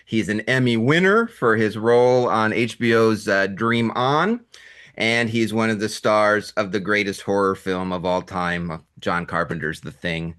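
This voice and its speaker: A man hosting a conversational film interview, with slightly halting phrasing. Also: fairly low pitch, pushed and bright, smooth. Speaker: interviewer, show host.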